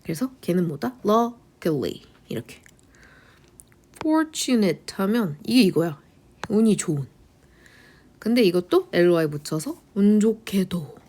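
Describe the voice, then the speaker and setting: A woman teaching English vocabulary in a lecture, asking quick rhetorical questions and answering them herself, often dropping into a whisper. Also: medium pitch, expressive, dark tone.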